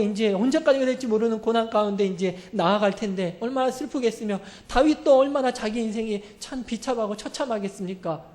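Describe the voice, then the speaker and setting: A pastor preaching a sermon who retells a story vividly, asks the congregation questions, and acts out the characters' lines. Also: mid-range voice. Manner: animated, acts out quoted speech.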